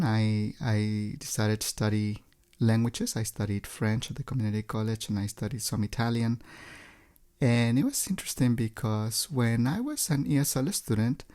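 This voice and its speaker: A man's voice: lowish voice, a little mellow, clear, resonant tone. A man from Mexico with a Mexican Spanish accent, a native Spanish speaker, telling his story politely and chattily, repeating words as he goes. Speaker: podcast guest. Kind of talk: casual interview.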